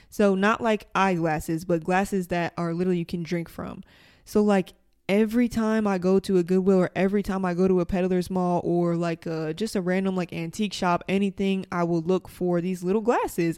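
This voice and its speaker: A woman talks at a fairly quick pace in an American accent, her pitch medium. Her intonation stays monotone and flat, and the recording is very clean with a silent background. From United States. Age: 20s. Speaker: podcast host. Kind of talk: casual solo monologue. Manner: casual with frequent fillers.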